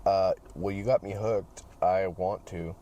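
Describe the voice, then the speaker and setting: A man's voice: low voice, fairly even intonation, a little slow, dark tone, lo-fi sound. A man chatting casually as a podcast guest while he drives, laid-back and often searching for his words. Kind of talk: casual chat while driving. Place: inside a car on the road. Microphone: podcast microphones, portable. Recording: clear car and road noise.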